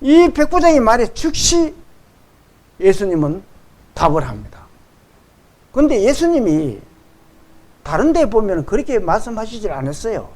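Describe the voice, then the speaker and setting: A middle-aged male pastor preaching a sermon, reading verses slowly and with emphasis and acting out the quoted voices. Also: high voice, very animated, darkish tone.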